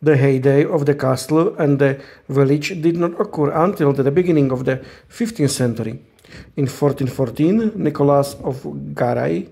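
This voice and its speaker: Calm, mellow male museum guide. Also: mid-range voice. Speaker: tour guide narrator. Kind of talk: scripted museum-guide narration of castle history.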